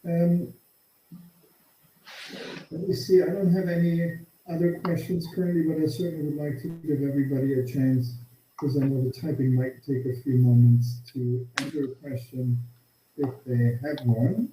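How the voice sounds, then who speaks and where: A man's voice: medium pitch, fairly even intonation, normal speed, mellow. A man moderating an earnings call as an analyst, putting questions in a conversational way. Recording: muffled echoey call, faint noise, clicks.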